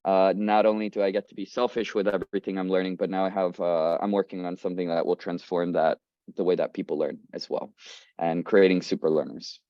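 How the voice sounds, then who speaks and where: A man's voice: low voice, fairly even intonation, brisk, no room sound. A man in his twenties from Colombia, a startup founder giving a casual, upbeat talk on a community video call, full of fillers and restarts. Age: 20s. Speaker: guest speaker, startup founder. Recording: dry, slightly dull call audio.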